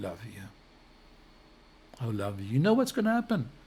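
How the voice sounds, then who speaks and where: Somewhat breathy, this voice moves with ordinary pitch variation. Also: man. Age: 60s. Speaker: spiritual self-help broadcaster. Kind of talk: motivational live broadcast talk. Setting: live online broadcast. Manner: warm, gentle, encouraging.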